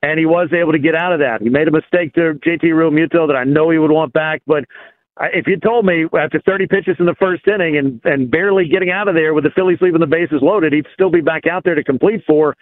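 A man calling in as a guest analyst, laying out his points in a measured, thoughtful way over the phone. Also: on the high side, dry recording. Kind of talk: casual sports talk. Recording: tinny phone line.

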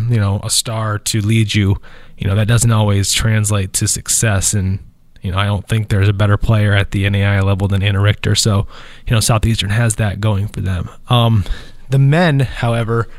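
A man's voice: on the low side, steady tone, moderate pace, no room sound. A man hosting a casual sports podcast, talking loosely with a nasal, allergy-stuffed voice and many fillers, in an office conference room. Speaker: podcast host.

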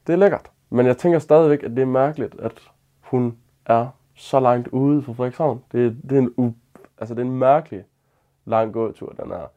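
A man's voice: mid-range voice, dark tone, dull audio. An eighteen-year-old man from northern Denmark telling an embarrassing story casually, self-deprecating and rambling with many fillers. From Northern Jutland, Denmark. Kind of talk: casual anecdote.

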